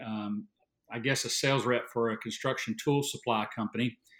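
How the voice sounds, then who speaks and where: A man with a Tennessee accent talks at a moderate pace and a medium pitch, with monotone, flat intonation. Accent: Southern US (Tennessee). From Tennessee, Williamson County. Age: 50s. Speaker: electric utility lineman. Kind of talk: casual interview.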